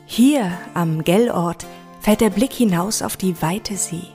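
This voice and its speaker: A woman's voice: medium pitch, slow, dark tone. A woman reading scripted narration for an audio walk, with guitar music behind her.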